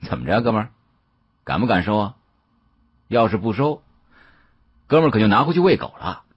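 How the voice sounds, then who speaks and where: A man's voice: on the low side, big pitch swings, fairly quick, husky. A man voicing a cocky, sneering young challenger with a taunting, slangy manner in an audiobook. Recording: dull, muffled audio.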